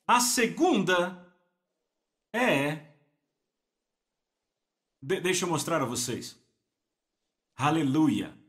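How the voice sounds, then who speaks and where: A man's voice: on the high side, big pitch swings, drawn-out words, pauses often, a bit bright. A man preaching an emphatic, exclamatory Pentecostal sermon.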